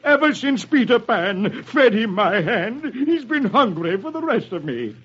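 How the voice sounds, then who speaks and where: A man's voice: very high-pitched, very animated, measured pace, a bit bright, slightly rough, pitched above the performer's own voice, full character voice. Captain Hook, a man doing a snarling pirate. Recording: dull old radio recording.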